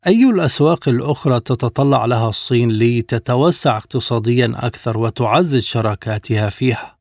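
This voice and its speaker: A male broadcast host puts questions in formal Standard Arabic. He talks at a fast clip with a gravelly edge, and the sound is dry and close. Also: mid-range voice, a little mellow, no echo. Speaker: radio interview host.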